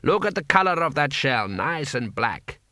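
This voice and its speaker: A man's voice: fairly high pitch, sing-song, normal speed, sharp tone, no room sound, studio quality. A man voicing a cheerful, pushy street vendor with glib haggling patter, in an audiobook story.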